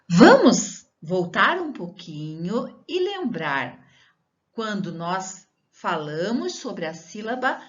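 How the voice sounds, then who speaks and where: A woman schoolteacher from Brazil giving a recorded lesson to children, talking slowly and drawing out her words, asking the pupil questions as she goes. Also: medium pitch, very animated, lo-fi sound. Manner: slow, drawn-out teacher talk with rising questions to the pupil.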